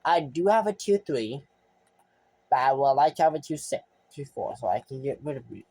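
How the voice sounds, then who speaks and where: A man's voice: mid-range voice, expressive, normal speed, dark tone. A young man casually commentating his own gameplay as a streamer, rambling and thinking aloud, often trailing off mid-sentence. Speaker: gaming streamer.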